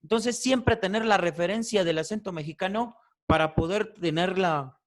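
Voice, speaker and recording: A man teaching a voice class, animated and repetitive, checking in with "¿cierto?" often. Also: high-pitched, normal speed. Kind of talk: online class feedback.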